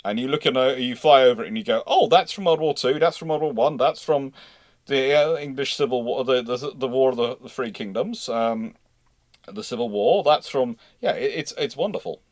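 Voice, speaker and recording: A man hosts a live history discussion, picking up questions and thinking aloud. He rambles, restarts and corrects himself as he explains. His mid-pitched voice is recorded close and dry. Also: moderate pace, no echo. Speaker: host of a live naval history Q&A.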